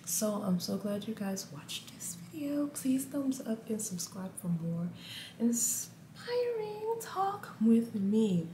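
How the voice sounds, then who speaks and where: A woman in her thirties with a deep contralto voice, talking candidly and animatedly to camera in a small room. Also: slow pace. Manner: candid, animated, says guys a lot. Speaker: vlogger. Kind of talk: casual motivational talk to camera. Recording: echoey room, faint ambient noise.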